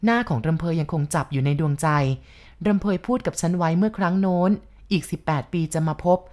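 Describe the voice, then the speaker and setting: An earnest, lovelorn older man speaks in a pleading, sorrowful way, as a woman reading a story puts him on. The voice sits on the low side and comes across as earnest rather than gruff. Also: fairly quick, mellow, close to an everyday voice. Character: lovelorn man, older, yearning for lost love.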